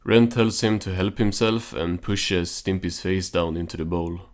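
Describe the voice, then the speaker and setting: Casting: man with a low voice, offhand and understated, casual cartoon recap narration. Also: level tone, a little slow.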